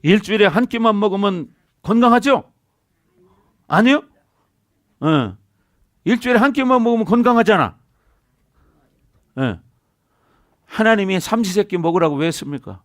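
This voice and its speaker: A man's voice: high voice, animated, normal speed, long pauses, no echo, studio quality. A middle-aged male pastor preaching a sermon in a church, calling out to the congregation and drawing responses from them. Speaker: senior pastor. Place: church sanctuary.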